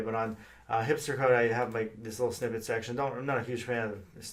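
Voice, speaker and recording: Medium-pitched male speech with audible room echo. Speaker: coding youtuber. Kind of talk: casual tech demo talk. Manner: fast; hesitant, many fillers.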